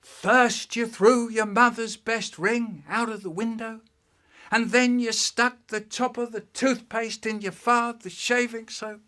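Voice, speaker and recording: Exasperated comic-story dad, played by a man: booming, high and sharp, incredulous, mockingly scolding a child. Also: steady tone, slow, exaggerated voice. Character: loud exasperated father, mocking and scolding his son.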